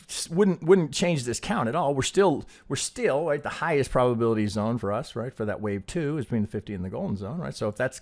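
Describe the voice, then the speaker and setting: A man's voice: mid-range voice, creaky, a little mellow. A middle-aged man giving an informal live lesson in chart analysis, thinking aloud conversationally, often checking in with a tagged-on "right" and swearing casually. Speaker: trading educator and video host.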